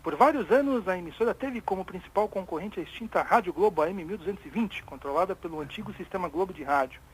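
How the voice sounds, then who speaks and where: A man's voice: high-pitched, animated, fast, a little hiss or hum, poor audio. A Brazilian man co-hosting a radio talk show, chatting casually with many restarts and reading news items aloud. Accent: Brazilian Portuguese.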